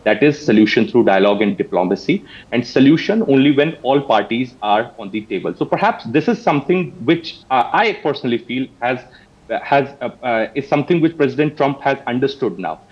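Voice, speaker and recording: A man with an Indian accent giving live news analysis as a correspondent, with a halting, repetitive delivery. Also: medium pitch, expressive, darkish tone, breathy edge, lo-fi sound.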